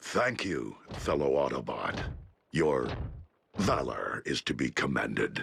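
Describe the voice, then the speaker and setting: A man's cartoonish character voice, very deep and low, broken by long, frequent pauses. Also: fairly slow pace. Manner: formal, measured, calm.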